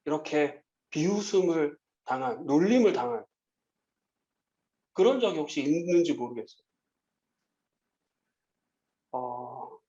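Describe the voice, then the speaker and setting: A man teaching a Bible lesson to children, gently asking them questions and often pausing on "uh.". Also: fairly high pitch, dull audio. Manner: gentle, asks the children questions, frequent "uh" fillers. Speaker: Sunday school teacher.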